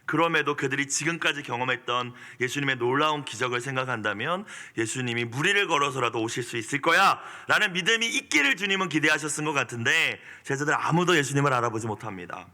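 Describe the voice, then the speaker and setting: A male pastor giving an early-morning sermon, moving between soft, quiet asides and pleading, forceful outbursts. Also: mid-range voice, animated, quick pace, few pauses.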